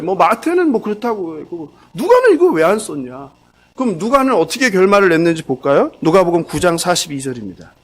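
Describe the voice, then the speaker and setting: A male pastor preaching a sermon, keeps asking the congregation questions as he goes. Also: high-pitched. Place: church sanctuary.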